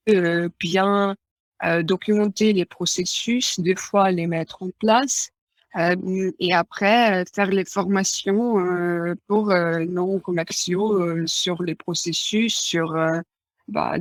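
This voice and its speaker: A woman's voice: lowish voice, no room sound. Hesitant woman with a Ukrainian accent. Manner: hesitant, many fillers. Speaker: guest. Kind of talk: casual interview answers.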